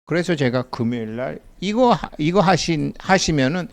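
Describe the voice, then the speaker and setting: A man's voice: on the high side, expressive, normal speed, vocal fry. A middle-aged man giving a casual lecture, chatty, telling stories and laughing often as he acts out little bits of dialogue.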